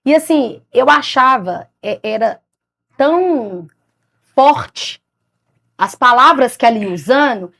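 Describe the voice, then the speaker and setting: A woman's voice: a little high, slow pace, creaky. A woman with a Brazilian Portuguese accent giving a faith testimony, recounting events animatedly and acting out what others said. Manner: animated, acts out others' lines in quoted speech; repeats "I said" and restarts as she recounts. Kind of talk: emotional storytelling.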